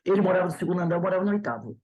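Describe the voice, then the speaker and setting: A Brazilian woman teaching a study group in a casual, storytelling way. Her voice is husky and mellow, and she acts out conversations with plenty of repetition. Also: lowish voice, rapid-fire, low-quality recording. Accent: Brazilian Portuguese. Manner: animated, retells dialogues with repetition. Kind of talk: casual class talk with storytelling.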